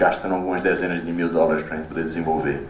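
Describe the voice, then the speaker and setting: A man is speaking. Audible room echo and noticeable background noise surround his voice. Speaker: tech investment executive. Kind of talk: conference presentation.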